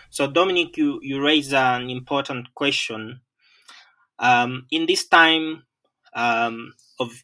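A man from Western Uganda with a Ugandan accent, speaking slowly with many pauses and fillers in an interview. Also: medium pitch, sharp tone, rough recording. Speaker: land management professional. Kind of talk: remote interview conversation.

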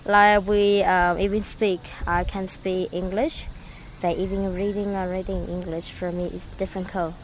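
A woman from a village near Sapa, Vietnam, speaks English in short, halting phrases. Her sentences are simple and pieced together, with many small fillers. The recording was made outdoors, and faint sounds hang behind her. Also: mid-range voice, flat delivery, slight background noise, low-quality recording. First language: Hmong. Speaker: trekking guide, interviewee. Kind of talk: casual interview answers. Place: outdoors against a village building.

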